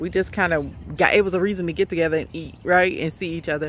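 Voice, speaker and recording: A woman talks at a fairly quick pace, and the sound is dry with no echo. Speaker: home gardener vlogger. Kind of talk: casual vlog chat. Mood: relaxed, cheerful. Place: garden. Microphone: phone near.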